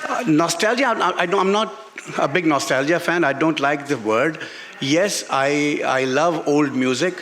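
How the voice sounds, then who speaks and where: Pakistani guy, author at a book talk, mid pitched voice, kinda halting, repeats words to make his point. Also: fairly bright tone, slight background noise. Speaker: author and journalist being interviewed. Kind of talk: live book talk, spontaneous answers. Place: literary festival stage in a garden venue.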